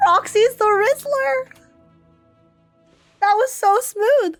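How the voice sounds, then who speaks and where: A woman reacting casually to a game on stream, giggly and excitable, with slang and swearing. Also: very high-pitched, slow, no room sound, faint music behind. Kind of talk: casual gaming reaction commentary.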